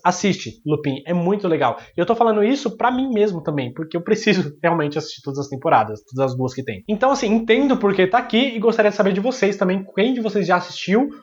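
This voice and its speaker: Brazilian guy hosting a casual vlog, high voice, rapid patter, a bit lo-fi. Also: lively intonation. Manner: chatty, joking, says "mano" and "cara". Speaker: YouTube host ranking series. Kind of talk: casual video commentary.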